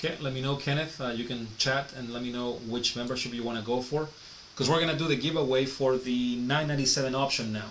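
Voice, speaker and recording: Talking at a very fast pace with a non-native accent, a man with a medium-pitched voice keeps his intonation fairly even, with audible room echo and noticeable background noise. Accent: noticeable foreign. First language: not English. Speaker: webinar host, business coach. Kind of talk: live webinar sales presentation. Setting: live online webinar. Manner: casual, filler-heavy.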